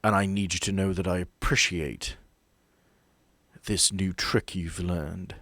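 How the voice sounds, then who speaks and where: A man playing a stern, measured female agency boss who speaks formally and deliberately in a tabletop game. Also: low voice, fairly even intonation, a bit bright, dry recording, full character voice. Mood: stern, measured approval. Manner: deliberate, emphatic, formal phrasing.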